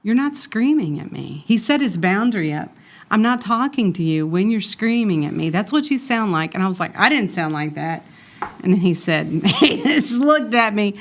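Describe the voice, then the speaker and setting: A woman's voice: mid-range voice, animated, moderate pace. A woman hosting a Christian ministry conversation, sharing personal stories in an earnest, heartfelt way. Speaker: host of a Christian ministry talk. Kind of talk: casual conversation.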